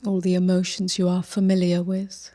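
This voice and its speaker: A woman leading a guided meditation as a teacher, gentle and unhurried, with long pauses and soft, breathy phrase endings. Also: lowish voice, monotone.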